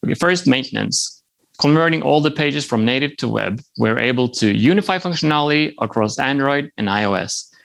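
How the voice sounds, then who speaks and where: A man's voice: mid-range voice, animated, fairly quick, gravelly, a bit bright, poor audio. A man in his thirties from Norway, whose first language is Norwegian, giving a friendly conference talk with light humor. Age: 30s. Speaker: software developer presenting. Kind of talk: conference presentation.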